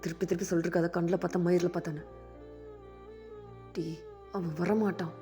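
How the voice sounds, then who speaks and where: A woman voicing a blunt young man who harshly scolds his lovesick friend in rapid outbursts. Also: lowish voice, warm tone, faint music behind, pitched below the performer's own voice, lightly acted. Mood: scolding.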